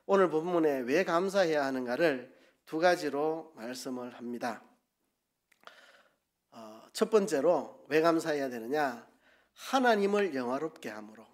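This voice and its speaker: A man's voice: on the high side, lively intonation, a little slow. A man with a Gyeongsang accent preaching a sermon as pastor, asking the congregation questions and leading them in call-and-response. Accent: Gyeongsang Korean.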